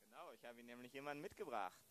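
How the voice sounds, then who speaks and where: A man playing a brisk, authoritative, mildly chiding police chief in a radio play. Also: medium pitch, expressive, a crowd in the background, natural voice. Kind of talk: improvised German radio play.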